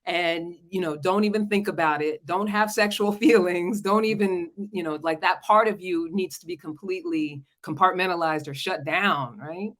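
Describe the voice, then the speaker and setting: A woman's voice: fairly low pitch, moderate pace, hardly any pauses, fairly bright tone. A woman hosting a live talk show as a relationship coach, affirming her guest and laughing easily.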